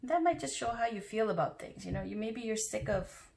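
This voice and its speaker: A woman's voice: a little high, lively intonation, brisk, gravelly, darkish tone. A woman giving a casual, chatty tarot reading to her viewers, with loose asides and fillers. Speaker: tarot reader.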